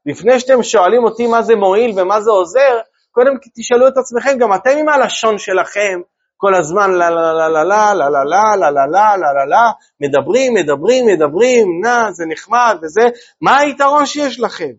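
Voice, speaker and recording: A clever snake from a parable, fond of turning its questioners' challenges back on them, as a man puts it on. It has a fairly high voice, and the recording sounds dull and lo-fi. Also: animated. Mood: retorting.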